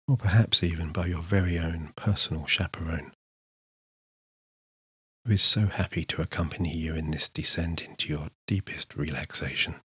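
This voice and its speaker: Very deep-voiced man guiding sleep hypnosis. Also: slightly rough, no room sound. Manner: slow, soothing, measured delivery with pauses. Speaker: hypnotist, guided meditation narrator. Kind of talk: scripted sleep hypnosis, soothing guided relaxation.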